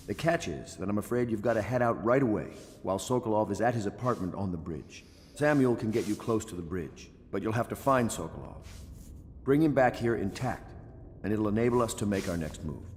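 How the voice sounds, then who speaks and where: An actor playing a proud old military man who gives a brisk briefing in a video game. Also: on the low side, animated, darkish tone, long reverb tail, slight background noise, natural voice.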